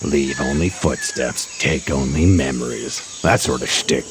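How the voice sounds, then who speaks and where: An actor playing a gruff, sardonic, unflappable male superhero in an audio drama, talking in clipped, folksy slang with a growl. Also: measured pace, noisy background. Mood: gruff, wry. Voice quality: deep gravelly growl. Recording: loud outdoor nature sound effects.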